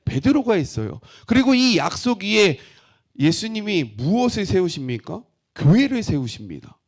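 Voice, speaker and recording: A middle-aged male pastor gives an expository sermon, his pitch sitting a little high and swinging widely as he speaks. He keeps putting questions to the congregation and slips into blunt, casual voices when he acts out the disciples. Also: big pitch swings, normal speed, a little mellow.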